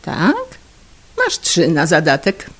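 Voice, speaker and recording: A woman's voice: sits low, wildly swooping pitch, takes it slowly, a bit bright, husky, exaggerated voice. A woman voicing a domineering wife, a singer who barks orders and scolds her husband. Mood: scolding. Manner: commanding, scolding, barking orders. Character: domineering shrill opera-singer wife, bossy and quick to scold.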